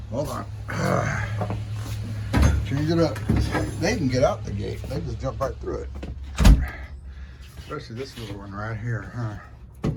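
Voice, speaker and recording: A middle-aged man chatting casually as a homestead vlogger, a rambling, chuckling storyteller talking outdoors on a farmstead into a camera mic. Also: mid-range voice. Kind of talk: casual chat. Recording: outdoor vehicle noise.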